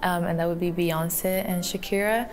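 A teenage woman from Canada answering interview questions in a soft, giggly way with many ums, filmed in a photo studio. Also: lowish voice, fairly even intonation, moderate pace. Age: teens. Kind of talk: recorded profile interview. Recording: clip played with faint music.

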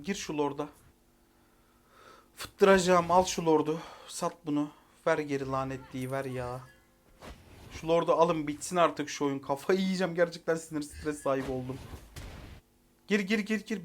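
A man giving live commentary over a mobile game, exasperated and barking rapid repeated commands, then calmly talking to viewers at the end. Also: fairly high pitch, a little hiss or hum. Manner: calm wrap-up talk to viewers at the end.

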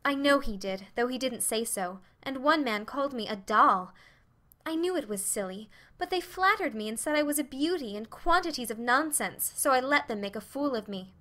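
A woman's voice: high voice, expressive, normal speed, bright, forceful tone, voice pushed up. A woman voicing a bashful, earnest teenage girl confessing to her mother in a storybook reading.

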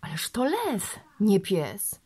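A woman's voice: mid-range voice, wildly swooping pitch, slow pace, a little mellow, breathy edge, heavily acted. A woman voicing an enthusiastic, adventurous teenage boy. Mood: eager.

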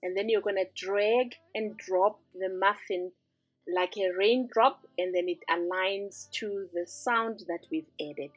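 A woman's voice: mid-range voice, slow pace, slightly rough, no room sound, soft background music. A woman hosting a screen-recorded design tutorial, walking through each step in an upbeat, instructive way. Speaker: tutorial host.

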